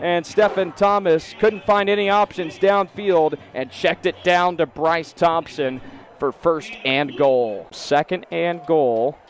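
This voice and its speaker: A man talks at a fairly slow pace with ordinary pitch variation. He has an unremarkable speaking voice. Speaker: high school football play-by-play broadcaster. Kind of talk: live sports play-by-play commentary.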